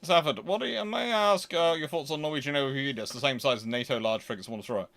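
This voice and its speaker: A man's voice: a little high, quick pace, vocal fry, fairly bright tone. A man hosting an unscripted question-and-answer talk, speaking discursively and working through his thoughts aloud. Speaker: host answering audience questions.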